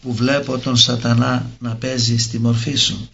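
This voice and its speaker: A man's voice: medium pitch, little pitch movement, creaky, fairly bright tone. A man voicing a sorrowful, pleading old male desert hermit in a read-aloud religious story. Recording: dull lo-fi recording.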